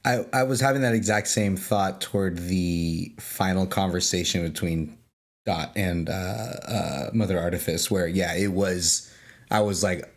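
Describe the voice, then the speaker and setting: Podcast dude rambling, lots of yeahs, kinda low voice. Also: male voice, measured pace. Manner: lots of agreeing murmurs, rambling. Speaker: podcast panelist. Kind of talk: casual roundtable discussion.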